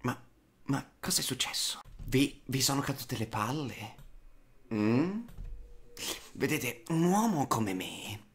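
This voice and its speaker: A man voicing an unhinged, mocking clown crime villain for a film dub, halting and theatrical, dropping into whispers. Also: mid-range voice, lively intonation. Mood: taunting, menacing. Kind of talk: amateur film dubbing in Italian.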